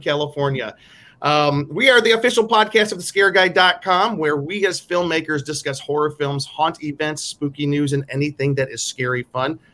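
A male podcast host with a bright, forceful voice that sits a little high for a man. He talks eagerly and chattily, tripping over a word now and then as he leads the interview.

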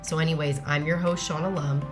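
American woman podcast host, low voice, upbeat chatty delivery, music bed behind. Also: steady tone, brisk. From United States. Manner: upbeat, promotional intro then chatty questions. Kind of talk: podcast interview.

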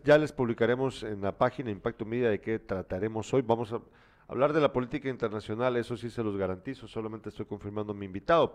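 A man's voice: lowish voice, darkish tone. A man co-hosting a news talk show, reading viewer messages and answering with exasperated, opinionated commentary. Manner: opinionated, exasperated, scolding asides.

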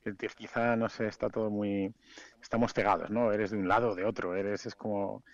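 A man's voice: lowish voice, little pitch movement, fairly quick, no room sound. Male radio guest with a Spain Spanish accent, rambling and candid, on a slightly muffled line. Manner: rambling, frank, trailing off into fillers. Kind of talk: casual radio interview chat.

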